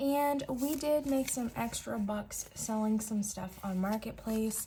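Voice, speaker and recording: Quiet and somewhat breathy, a woman with a fairly high pitch and a dark, mellow tone speaks at a fairly slow pace with ordinary pitch variation. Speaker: budgeting YouTuber. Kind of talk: casual vlog talk. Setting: at home, windows open. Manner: speaking quietly.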